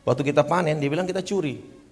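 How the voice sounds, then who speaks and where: A man's voice: fairly high pitch, fast, faint music behind. A man preaching, telling funny stories between points. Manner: lively storyteller, acts out voices. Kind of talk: sermon with comic storytelling. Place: church. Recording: church hall reverb.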